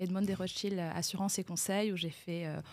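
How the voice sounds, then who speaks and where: On a very clean recording with a silent background, a woman talks at a fairly quick pace and fairly low pitch with fairly even intonation. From southwestern France, Bayonne. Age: 30s. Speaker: life insurance sales manager. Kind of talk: podcast interview. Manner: hesitant, many fillers.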